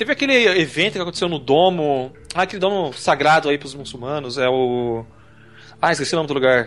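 A man talks in a normal speaking voice at a fairly high pitch. His pace is fairly quick, with ordinary pitch variation. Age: 30s. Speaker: YouTuber co-host. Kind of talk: casual chat; reading aloud.

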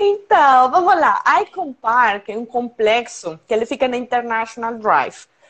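A woman with a Colombian accent speaks at a fairly slow pace with hardly any pauses, her high voice moving in very wide pitch swings. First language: Spanish (speaking Portuguese). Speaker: tourism representative. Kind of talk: casual chat.

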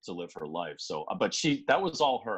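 Vocal fry runs through this man's voice as his pitch rises and falls across a very wide range. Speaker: podcast host. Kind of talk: casual chat. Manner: loud.

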